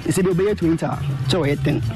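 Brief: male craftsman, Ghanaian, native Twi, higher voice, spontaneous interview with music behind. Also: moderate pace. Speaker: shoemaker being interviewed.

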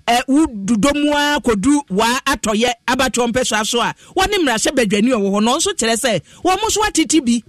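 A man's voice: extremely high pitch, fairly bright tone, dry recording, studio quality. A Ghanaian man reporting the news on radio with a chanting, sing-song cadence.

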